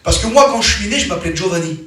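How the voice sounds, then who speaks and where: High-voiced preacher in an echoing hall. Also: male voice, expressive, rapid-fire, fairly bright tone. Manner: emphatic, repetitive storytelling with restarts. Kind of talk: sermon told as a personal story. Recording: very echoey hall, mic far off.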